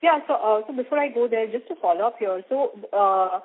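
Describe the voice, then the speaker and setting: A woman's voice: on the high side, animated, a little fast. A woman speaking as an analyst, putting methodical, probing questions on a conference call. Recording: narrow, tinny phone-line audio.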